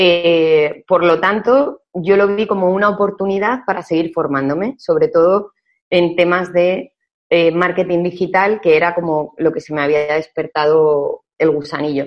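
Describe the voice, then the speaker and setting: Here a woman speaks with a fairly low pitch. Her pitch variation is ordinary. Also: fairly slow pace. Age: 40s. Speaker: SEO copywriting consultant. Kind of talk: interview. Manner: hesitant, many fillers.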